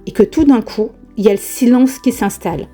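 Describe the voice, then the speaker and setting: A woman vlogger telling a personal spiritual experience in a casual, lively way, often laughing and exclaiming. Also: a little high, fairly quick, faint music behind. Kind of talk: casual first-person storytelling.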